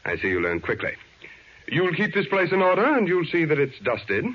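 Imperious smooth-talking villain boss, animated intonation, pompous, condescending, old radio drama, dull recording. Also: male voice, on the high side, moderate pace. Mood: condescending, suave. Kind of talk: 1940s radio crime drama acting.

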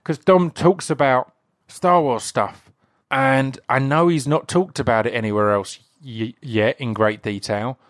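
A man's voice: mid-range voice, measured pace, no echo, clean studio sound. A man hosting a podcast, giving a casual, rambling introduction full of restarts and asides. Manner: rambling, chatty, self-interrupting with restarts. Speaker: podcast host.

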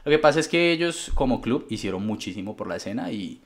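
A man with a Colombian accent, a DJ guest telling stories in a casual, relaxed interview with many fillers. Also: mid-range voice, fast talker. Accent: Colombian Spanish. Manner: relaxed storytelling with frequent fillers.

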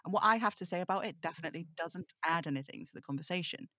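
A woman's voice: lowish voice, very fast, sharp tone, no room sound, clean studio sound. A woman playing a snarky, weary supernatural radio host in an audio drama, wry and brooding in manner. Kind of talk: audio drama table read.

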